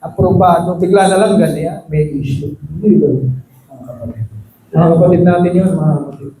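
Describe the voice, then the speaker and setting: A male preacher with a high voice gives a sermon in an echoey room, with faint ambient noise behind him. He calls out to the congregation for amens and swings between loud, high exclamations and low, quiet asides. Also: steady tone, moderate pace.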